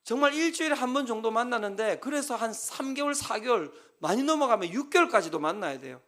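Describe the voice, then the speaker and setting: Preaching on Sunday, this pastor speaks quickly in a very high voice. His delivery is energetic and forceful, and he shouts at times while reenacting counseling talks.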